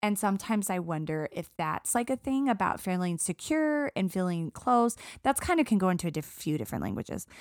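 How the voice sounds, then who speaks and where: Her pitch is medium, and it swings very widely. The woman speaks with hardly any pauses. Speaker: podcast co-host. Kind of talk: casual chat.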